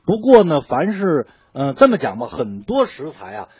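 A man with a Beijing accent talks in a colloquial, storytelling way, often posing a question and answering it himself. His voice is husky and swings widely in pitch. The sound is dry and somewhat muffled. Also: huge pitch swings, moderate pace, darkish tone, no room sound. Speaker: food writer guest explaining dishes. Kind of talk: conversational explanation of traditional cooking.

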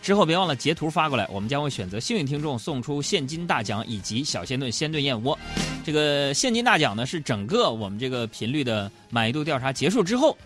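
A man hosting a radio show, telling self-mocking comic stories in an animated way, recorded in a studio. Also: medium pitch, quick pace, soft background music. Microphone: studio microphone.

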